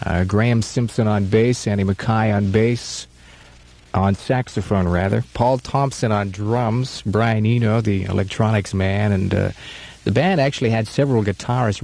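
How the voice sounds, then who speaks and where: A male radio host with a dark, relaxed timbre and a husky edge. He talks through rock history between records in a measured, knowledgeable album-show style. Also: on the low side. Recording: slightly muffled archive radio aircheck.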